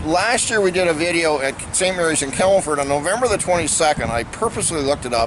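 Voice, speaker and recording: With lively intonation, a man speaks at a fairly quick pace. Noticeable background noise sits behind his voice. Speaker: restoration contractor. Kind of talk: on-site video update. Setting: outdoors on building site. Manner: fast.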